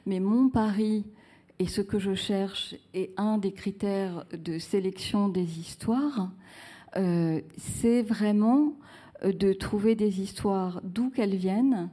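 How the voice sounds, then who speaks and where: A woman's voice: mid-range voice, fairly even intonation, slow pace, dark tone. A woman author in a live book talk, speaking reflectively with many fillers and restarts as she searches for her words.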